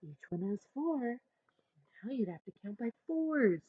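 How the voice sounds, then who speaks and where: A woman teacher reading a picture book aloud to children in an expressive way, pausing to ask listeners questions and coach them. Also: a little high, no room sound, phone-quality sound. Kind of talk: animated children's read-aloud with teaching asides.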